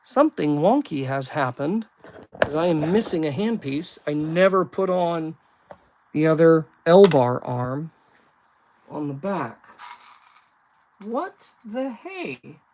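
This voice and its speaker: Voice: medium pitch, animated, a little slow, a little mellow, slight background noise. A toy builder giving a casual live-stream build walkthrough, rambling and self-deprecating and thinking aloud while putting pieces together.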